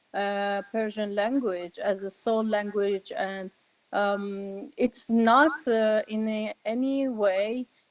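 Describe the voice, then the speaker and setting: A woman with an Arabic accent speaks very slowly in a fairly high voice, her intonation fairly even, against a quiet background. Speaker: panelist on ethnic minority rights. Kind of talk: panel discussion. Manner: halting, many fillers.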